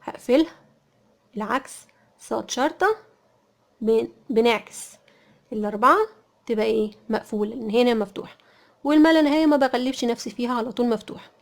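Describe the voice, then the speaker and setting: A woman's voice: on the high side, very fast, creaky. A woman with an Egyptian Arabic accent teaching a math lesson, asking questions and answering them herself while she repeats the key points.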